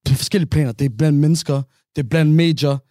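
A man co-hosting a casual podcast chat, talking in a relaxed, halting way. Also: on the high side, dry recording, studio quality. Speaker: podcast co-host.

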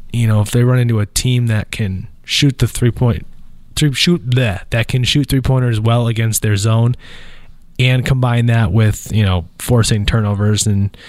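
A man's voice: medium pitch, a little mellow, no room sound. A man hosting a casual sports podcast, talking loosely with a nasal, allergy-stuffed voice and many fillers, in an office conference room. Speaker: podcast host.

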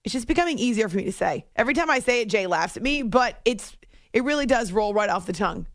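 A woman hosting a late-night sports radio show, talking through results in a chatty way with quick asides. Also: on the high side, animated, dry recording, clean studio sound. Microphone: studio microphone.

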